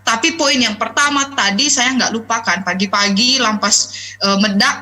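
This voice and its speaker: Bright-voiced woman pastor, chatty sermon. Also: on the high side, normal speed. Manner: chatty, anecdotal, with frequent hesitations. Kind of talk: conversational sermon.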